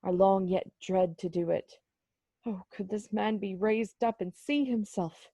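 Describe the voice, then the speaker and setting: A woman's voice: mid-range voice, unhurried, dark tone, no echo. A woman playing a frightened, remorseful old male miser, solemn and theatrical, in an amateur dramatised reading. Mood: horrified. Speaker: library staff reader in a play.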